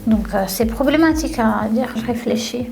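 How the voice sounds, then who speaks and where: A woman's voice: on the high side, a little fast, creaky. A young woman from Tunisia chatting casually in an interview, often laughing and repeating her words. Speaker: reality TV contestant. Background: faint background music.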